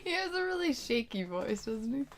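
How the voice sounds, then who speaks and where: Giggly young woman with a gravelly edge. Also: fairly high pitch, sing-song, moderate pace. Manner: giggly, hesitant, self-conscious. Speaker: podcast guest, host's sister. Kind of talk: casual chat.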